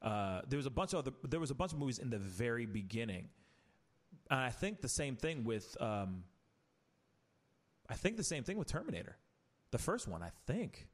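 A man's voice: mid-range voice, sing-song, moderate pace, pauses often. A man hosting a casual podcast chat, ranting animatedly with rhetorical questions and many restarts. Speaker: podcast host.

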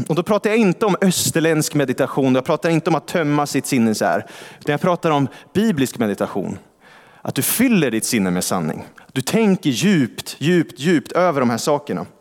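A male pastor giving a sermon in a church, with a conversational style, asking rhetorical questions and reading scripture slowly. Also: on the high side. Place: large church hall. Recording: long church reverb.

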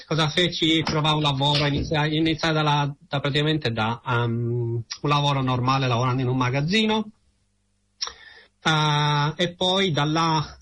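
An Italian man telling personal stories in an interview, hesitant and halting, often repeating words. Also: fairly high pitch, fairly bright tone. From Italy. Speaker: interview guest. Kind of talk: personal storytelling in conversation.

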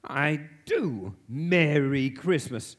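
A man playing a miserly, irritable old businessman in a stage radio play, gruff and scornful with a raspy voice. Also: a little high, expressive, drawn-out words. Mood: grumpy, dismissive.

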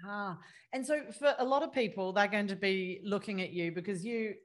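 A woman, hosting a podcast interview in a chatty, laughing way. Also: mid-range voice. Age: 50s. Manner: chatty, laughs often, quick bursts. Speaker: podcast host.

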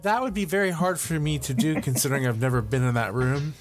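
A man's voice: fairly high pitch, fast talker, soft background music. A man co-hosting a comedy podcast, trading dry, sarcastic comebacks in casual banter. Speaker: podcast co-host.

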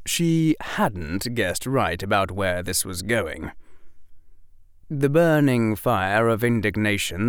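An audiobook narrator reading a story in a measured, wry way. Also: medium pitch, smooth, dry recording, studio quality.

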